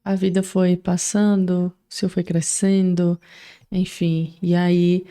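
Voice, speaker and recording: A man's voice: high voice, flat delivery, takes it slowly, mellow. A man from Brazil hosting a podcast, prompting his guest and backing him up with short affirmations and jokey asides. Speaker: podcast host. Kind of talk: casual interview.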